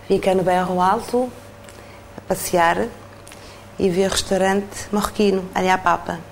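Gravelly woman. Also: fairly low pitch, a little hiss or hum. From Morocco. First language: not Portuguese. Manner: simple phrasing with pauses and restarts. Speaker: restaurant cook. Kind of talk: interview testimony.

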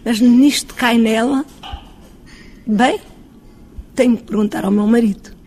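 A woman's voice: fairly high pitch, a little slow, darkish tone, slight background noise. Chatty Portuguese woman hotel owner interviewed. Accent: European Portuguese. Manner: chatty, thinking aloud with restarts and quoted dialogue.

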